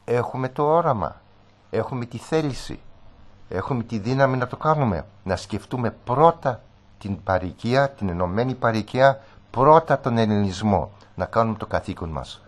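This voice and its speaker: A man's voice: mid-range voice, lively intonation. A man speaking as a guest on a studio radio discussion, earnest and emphatic, repeating his points.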